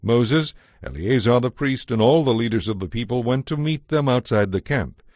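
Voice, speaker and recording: Dry, measured male scripture narrator. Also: mid-range voice, animated, darkish tone, no room sound. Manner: measured, formal.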